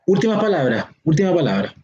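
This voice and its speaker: A man with a Chilean accent teaching a Bible seminar online. He explains slowly, stretches key words and keeps checking that his listeners follow. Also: on the high side, big pitch swings, a little mellow, dull audio. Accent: Chilean Spanish. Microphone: online class or teleconference.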